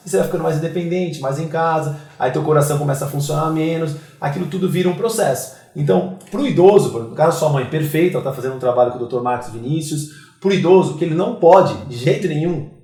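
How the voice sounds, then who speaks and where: A man's voice: fairly high pitch, quick pace, hardly any pauses, warm tone. A man with a Santos Brazilian Portuguese accent explains things as an interview guest, emphatically, often posing questions and answering them himself. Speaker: interview guest, fitness coach and gym owner. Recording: roomy, echoing interview sound.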